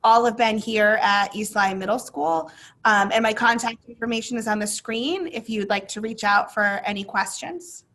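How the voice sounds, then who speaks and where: A woman who teaches life skills, welcoming parents to a virtual overview at a brisk pace. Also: on the high side, a bit bright. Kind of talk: virtual back-to-school overview.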